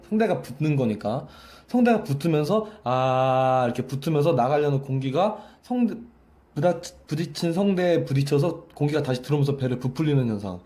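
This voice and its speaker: A vocal coach with a warm, fairly high voice gives a voice lesson, using a hose to demonstrate breath pressure. He often repeats himself and restarts his phrases.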